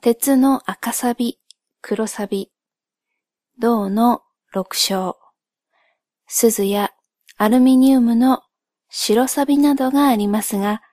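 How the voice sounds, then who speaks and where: A woman with a slightly high voice talks very slowly in a soft, ASMR-like monologue. She is gentle, polite and measured as she explains things. The sound is dry, with hardly any room to it. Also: no echo. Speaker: host of a solo spoken channel.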